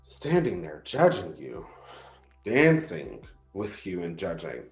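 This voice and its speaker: Man acting sardonic, very animated gay clubgoer, roomy sound. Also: deep voice, slow, exaggerated voice. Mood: hurt, bitter. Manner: teasing, sarcastic, dramatic. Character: flirty, sardonic, insecure gay man at a club. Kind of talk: staged play reading. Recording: roomy sound, faint music behind.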